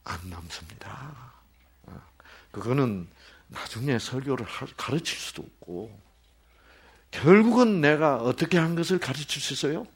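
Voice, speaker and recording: Animated pastor teaching scripture. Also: male voice, on the high side, moderate pace, slightly rough. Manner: animated, asks the congregation questions and answers them himself; drops to a whisper at times. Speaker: pastor teaching Bible study. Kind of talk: sermon-style Bible lesson.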